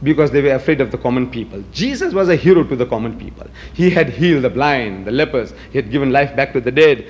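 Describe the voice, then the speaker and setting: A man from South Africa with Gujarati as his first language, giving an emphatic, rhetorical lecture and acting out debates. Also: fairly high pitch. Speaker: public speaker on religion. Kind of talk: lecture to an audience.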